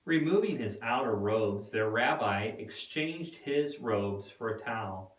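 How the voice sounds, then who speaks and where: Male narrator, mid-pitched, deliberate, expressive, dramatic scripted reading, echoey room, distant mic.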